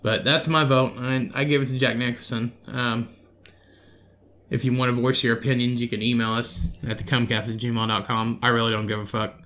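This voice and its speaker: A man's voice: mid-range voice, little pitch movement, a little fast, pushed and bright. A man hosting a solo podcast, rambling and swearing in an offhand way, his nose a little congested. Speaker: podcast host.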